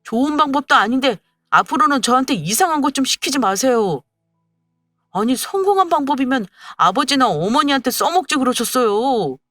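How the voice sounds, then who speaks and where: A woman's voice: high voice, animated, moderate pace, fairly bright tone, no echo, clean studio sound, faint music behind, voice pushed up. A woman voicing a young husband who argues defensively and pleads with his wife in a storybook radio drama. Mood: pleading.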